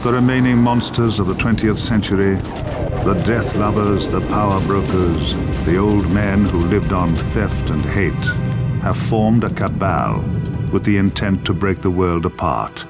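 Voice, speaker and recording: Deep, portentous narrator over music. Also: male voice. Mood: grave, ominous. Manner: grave, portentous, measured. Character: grave male narrator of a dystopian future war. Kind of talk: scripted dramatic game intro narration.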